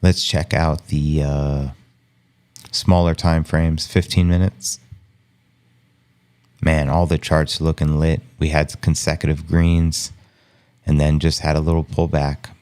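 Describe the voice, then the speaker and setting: A man hosting a live stream in an extremely deep, flat voice. He talks slowly, keeping it hushed and low-key, and chuckles often. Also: clean tone. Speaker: livestream host. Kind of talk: casual live market commentary.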